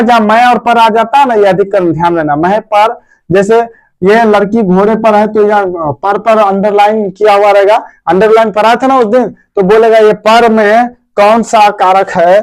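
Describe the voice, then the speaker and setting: A man teaching a casual grammar lesson, talking to his pupils in a fatherly, repetitive way and asking and answering his own questions. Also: high-pitched. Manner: fatherly, repetitive, addresses students as dear children.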